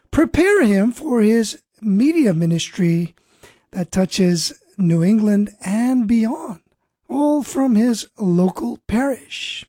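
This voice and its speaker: A man hosting a Christian radio interview program, speaking in an earnest, measured way. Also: sits high, warm tone, breathy edge, no echo. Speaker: radio ministry host.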